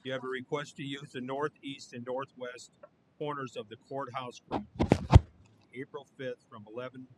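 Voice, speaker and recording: A man's voice: medium pitch, level tone, moderate pace, noisy background. A man serving as county commissioner, questioning a request bluntly and skeptically. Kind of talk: official questioning at a public meeting. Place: county board meeting chamber.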